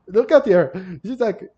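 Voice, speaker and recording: A man with a Hispanic Spanish accent casually comments on a game, explaining the story dialogue in a halting way, often repeating and rephrasing himself and switching languages. His voice is high-pitched, expressive and mellow. The gameplay commentator is recorded on a dull lo-fi mic over game music.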